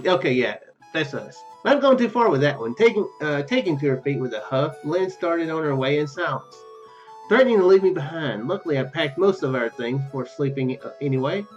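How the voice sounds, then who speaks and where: Higher-pitched man rambling through a game playthrough. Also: lively intonation, a little fast, lo-fi sound. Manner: hesitant, rambling, repeats phrases. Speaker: YouTube game player. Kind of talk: casual let's play commentary, reading visual novel text aloud. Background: game music.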